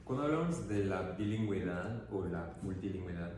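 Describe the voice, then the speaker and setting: A man hosts a casual interview, building his questions slowly and hesitantly. The recording is distant and very roomy, with clear noise in the background. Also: low-pitched, animated, a little mellow. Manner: thoughtful, hesitant, many fillers. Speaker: interview host.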